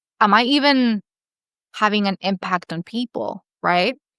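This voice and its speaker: Against a quiet background, a woman with a Mexican accent speaks very slowly in a bright, sharp tone. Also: dry, close sound with no echo. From Mexico. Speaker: career coach. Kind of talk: podcast interview.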